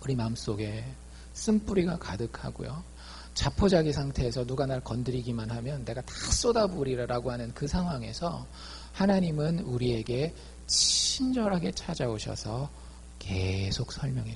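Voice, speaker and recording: A man preaching a sermon as a pastor, lively, acting out quoted dialogue in his talk. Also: mid-range voice, moderate pace, vocal fry, a little hiss or hum. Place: church.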